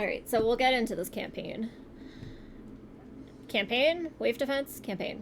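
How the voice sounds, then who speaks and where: A woman's high voice in an American accent, fairly slow with long, frequent pauses, ordinary pitch variation and noticeable background noise. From Canada, Windsor, Ontario. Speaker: streamer. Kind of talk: casual chat.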